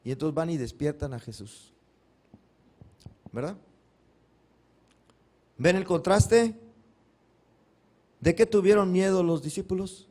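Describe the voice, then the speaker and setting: Male pastor, sermon, fairly high voice, quizzes the congregation. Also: slow, long pauses, a little mellow. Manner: asks the congregation questions and answers them himself; acts out biblical cries dramatically. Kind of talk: Sunday sermon.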